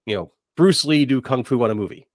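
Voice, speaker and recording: A man's voice: mid-range voice, brisk, no echo, studio quality. A middle-aged man in casual podcast discussion, hesitant and repeating words as he works out his thoughts. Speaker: podcast host. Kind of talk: casual discussion of tabletop gaming.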